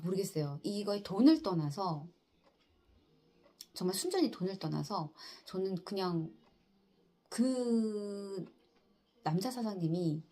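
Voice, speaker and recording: Middle-aged woman, earnest vlog storyteller, low mellow voice, halting delivery. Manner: soft, earnest, halting with many fillers. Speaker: insurance agent. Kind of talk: casual personal storytelling.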